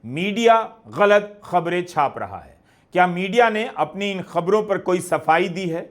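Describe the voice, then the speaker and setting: A middle-aged male presenter delivers news commentary. His voice sits fairly high, and he speaks in a measured way, posing pointed questions as he goes. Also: animated.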